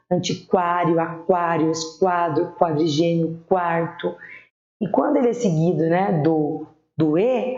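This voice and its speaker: A woman with a Brazilian accent teaching primary school children spelling, patiently sounding out words slowly. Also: fairly low pitch, a little mellow. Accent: Brazilian Portuguese. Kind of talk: online spelling lesson. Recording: echoey room, dull lo-fi sound.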